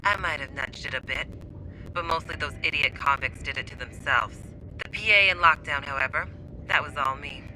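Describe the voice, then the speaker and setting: Cocky prison hacker, higher-pitched, brisk casual delivery, video game, rumbling noise behind. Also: male voice, bright, forceful tone, rough recording. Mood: smug. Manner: casual, clipped, urgent instructions.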